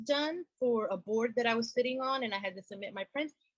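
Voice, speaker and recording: Lively, fairly high-pitched woman's voice in a Spanish accent. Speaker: clinical social worker and advocate. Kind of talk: webinar panel discussion. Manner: conversational with many fillers.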